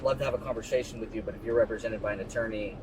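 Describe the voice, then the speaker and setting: A male police investigator questioning and explaining procedure in a measured, matter-of-fact way with hesitations, recorded on a body camera outdoors. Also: fairly low pitch, steady tone. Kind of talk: casual, procedural questioning during an arrest. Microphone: body-worn camera. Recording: noisy outdoor bodycam audio.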